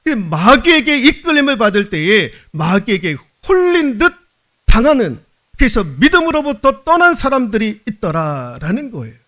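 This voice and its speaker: Lively high-voiced male pastor preaching. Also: normal speed. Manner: emphatic preaching with rhetorical questions to the congregation; drops to a soft low voice for prayed confessions. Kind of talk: sermon at a Wednesday prayer service.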